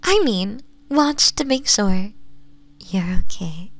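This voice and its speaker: A woman voicing a doting, possessive fox-woman mistress in an intimate ASMR roleplay, softly coaxing and often slipping into whispers. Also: mid-range voice, lively intonation, takes it slowly, no room sound. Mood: flustered. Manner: soft, breathy, coaxing, often dropping into whispers.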